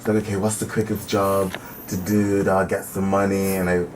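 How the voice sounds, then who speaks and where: A man's voice: sits low, flat delivery, fairly quick, over music. A young man hosting a casual student radio interview, chatty and upbeat, laughing often. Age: young adult. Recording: distant mic, faint background noise.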